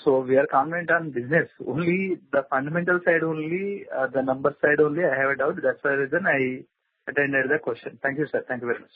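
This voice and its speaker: A man's voice: fairly high pitch, quick pace. A man, a caller on an earnings call who asks his question in a hesitant, deferential way with many fillers. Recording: phone-line call audio.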